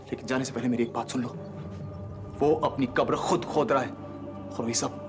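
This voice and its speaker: A man's voice: mid-range voice, steady tone, moderate pace, music in the background, close to an everyday voice. An actor playing an earnest young man who begs a woman not to leave, in a TV serial drama. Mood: earnest, pleading. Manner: urgent, imploring. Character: pleading young man, Rishabh.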